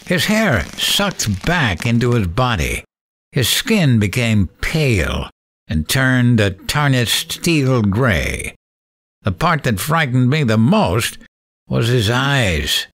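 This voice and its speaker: An actor playing a frightened radio host, telling a suspenseful first-person horror story in a theatrical, deliberate way. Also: male voice, mid-range voice, very animated, fairly bright tone, heavily acted. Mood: grim, awed. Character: frightened male late-night radio host recounting a monster encounter.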